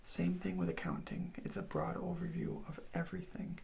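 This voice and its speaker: An ASMR performer whispering gently and without hurry, reassuring the listener in the role of a college advisor, with a breathy, creaky voice. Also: mid-range voice, wildly swooping pitch, normal speed.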